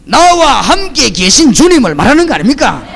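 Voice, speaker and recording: A middle-aged pastor preaches in a high-pitched voice. He tells lively stories and acts out the people he quotes as he goes. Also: moderate pace, vocal fry. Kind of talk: sermon.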